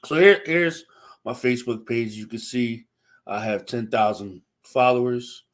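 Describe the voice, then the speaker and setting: A man's voice: mid-range voice, measured pace. A young adult man with a stuffy, congested voice, hosting a casual livestream chat and rambling with lots of fillers and restarts. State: congested from a cold. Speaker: livestream host.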